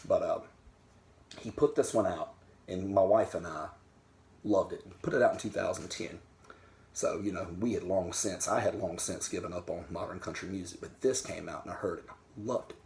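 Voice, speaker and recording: A man's voice: deep voice, normal speed, vocal fry, darkish tone. A man talking to camera about his records in a candid, rambling way, swearing freely. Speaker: vinyl record vlogger. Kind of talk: casual talk to camera. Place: home den.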